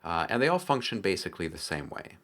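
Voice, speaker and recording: A man hosting a casual software tutorial, explaining things informally with frequent hesitations. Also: low-pitched, sing-song, quick pace. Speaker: tutorial host.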